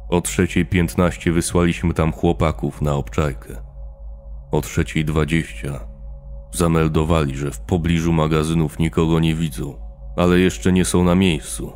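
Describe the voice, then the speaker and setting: Horror story reading: man reading a grim, shaken army warrant officer, low and unhurried, faint music under the voice. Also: darkish tone.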